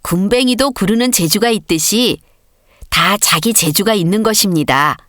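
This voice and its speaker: A woman's voice: mid-range voice, normal speed, a bit bright, no room sound, studio quality, natural voice. A woman voicing a small, clever, proud spider in a storybook fable.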